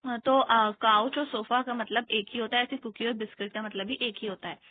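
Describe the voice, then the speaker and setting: A fairly high-voiced woman with an Indian accent talks through exam notes like a tutor. She reads English lines slowly, then explains them in a loose, hesitant way. Her voice comes through a thin, phone-like recording. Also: steady tone, slight background noise. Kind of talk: study lesson, reading English text and explaining in Hindi. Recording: tinny phone-quality audio.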